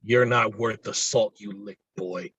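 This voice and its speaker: Man acting as bullying cop dad, slightly husky, dry close sound, scornful, screenplay reading. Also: fairly low pitch, steady tone, a little slow, fairly bright tone, no echo, lo-fi sound. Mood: contemptuous. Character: cruel, bullying small-town cop father, contemptuous. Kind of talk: amateur screenplay table read.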